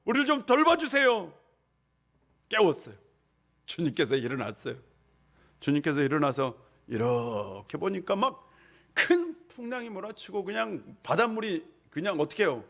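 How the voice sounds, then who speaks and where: Animated Korean pastor preaching a sermon. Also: male voice, fairly high pitch, moderate pace, vocal fry. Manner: animated preaching, asks the congregation questions, acts out shouted rebukes. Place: church sanctuary.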